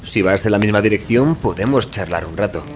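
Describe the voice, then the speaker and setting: A man's voice: lowish voice, animated, fairly quick, over loud music, lightly acted. An actor playing a blunt, hearty young male student in an audio drama, emphatic. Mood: puzzled, firm.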